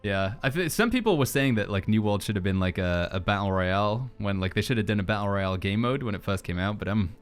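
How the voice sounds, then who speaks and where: A man's voice: fairly low pitch, expressive, quick pace, few pauses, clean tone. A man hosting a podcast in a casual, joking, rambling chat style. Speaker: podcast host.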